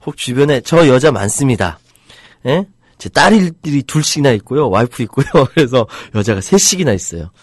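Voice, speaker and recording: A man's voice: mid-range voice, sing-song, fairly quick, no room sound, studio quality. A middle-aged man hosting a live online talk show, reading listener comments and mixing heated outbursts with jokey banter. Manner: heated, indignant outbursts about rights. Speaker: internet radio host reading listener comments.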